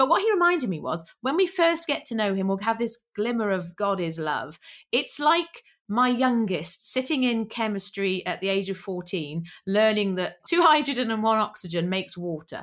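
On a very clean recording with a silent background, a woman with a Welsh accent speaks at a moderate pace. Her tone is animated, her pitch fairly high, with very wide pitch swings. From Wales. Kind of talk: casual interview chat. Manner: animated, laughs often.

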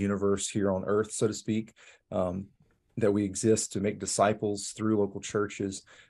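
A man with a Southern US accent speaks at a fairly low pitch and moderate pace. His intonation is flat and monotone over a quiet background. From Alabama. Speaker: bishop and theology professor. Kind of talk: casual interview about theology.

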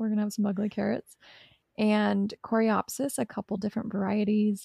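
A woman speaks at a medium pitch and moderate pace, her tone dark, mellow, and somewhat breathy. The sound is dry and close, with no echo. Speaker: podcast host. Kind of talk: casual chat interview.

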